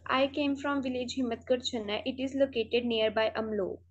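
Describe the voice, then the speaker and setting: A woman's voice: fairly high pitch, fairly even intonation, normal speed. A young woman whose first language is Punjabi answers a mock speaking exam over a video call, hesitant and full of fillers and restarts. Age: student. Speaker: test candidate. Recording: dull lo-fi video call audio.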